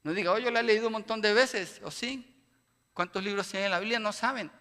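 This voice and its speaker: A middle-aged male pastor preaches an impassioned sermon in a church sanctuary, packed with emphatic rhetorical questions. His voice sits high, fairly quick, pushed and bright, and the room adds a long church reverb.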